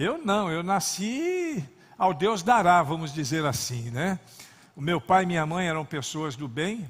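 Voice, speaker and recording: Speaking with a São Paulo accent, a man uses lively intonation at a high pitch and a fairly slow pace. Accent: Brazilian Portuguese, paulistano. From Brazil, São Paulo city (East Zone). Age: 60s. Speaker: pastor. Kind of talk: sermon. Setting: church.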